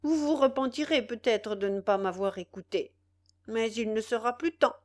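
A woman's voice: on the high side, normal speed, lightly acted. A woman doing a spoiled, wheedling young woman. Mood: sulky. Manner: wheedling yet commanding. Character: sly, spoiled young woman, petulant and coaxing.

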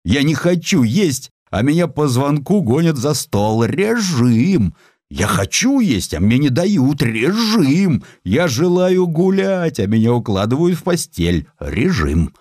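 A sarcastic, aggrieved spa patient in an audiobook played by a male narrator, whining and mocking with sharp exclamations. The pitch is lifted well up and swings about, in a dry recording. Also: very animated, slow pace, no room sound. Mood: indignant, mocking.

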